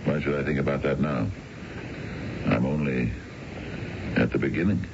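An American actor playing a self-indulgent middle-aged husband in a radio drama, with a gravelly voice. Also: male voice, extremely low pitch, fairly even intonation, moderate pace. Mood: defiant, smitten. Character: aging husband smitten with a younger woman, self-indulgent. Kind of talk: 1970s radio drama acting. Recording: dull, noisy old radio recording.

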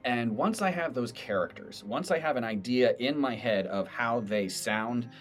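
An American man from the East Coast, a podcast game master, chatting and explaining in an animated, expressive way. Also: mid-range voice, moderate pace, faint music behind. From East Coast of the United States.

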